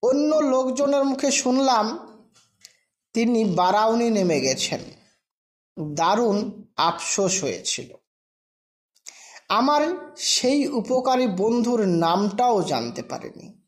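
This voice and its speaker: A woman narrating a scripted first-person short story in a measured, dramatic reading with pauses. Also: a little high, big pitch swings.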